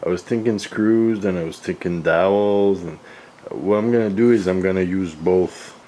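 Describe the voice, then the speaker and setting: A man's voice: sits low, moderate pace, dark tone, low-quality recording. A man giving a casual, folksy how-to narration while working in a garage workshop. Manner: folksy, informal. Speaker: host of a woodworking channel. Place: home garage workshop, indoors. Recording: clear background noise, workshop ambience.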